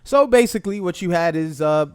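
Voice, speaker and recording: A man hosting a casual podcast, talking in an animated, opinionated way and poking fun at himself. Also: high-pitched, fairly quick, clear, resonant tone, no echo, clean studio sound. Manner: animated, opinionated, with mock impressions and self-mocking laughs. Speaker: podcast host.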